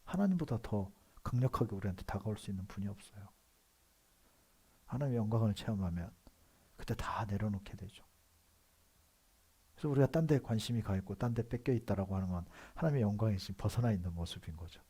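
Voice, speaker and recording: A male pastor with a Seoul accent preaching a sermon in a conversational way, moving between quiet asides and loud emphatic outbursts. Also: on the low side, expressive, quick pace, pauses often, slightly rough. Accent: Seoul Korean. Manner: conversational preaching with frequent affirming "yes" asides.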